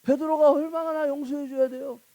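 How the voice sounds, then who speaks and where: A woman's voice: sits high, fairly even intonation, brisk, mellow. A woman pastor preaching a sermon in a church, emphatic and full of rhetorical questions to the congregation.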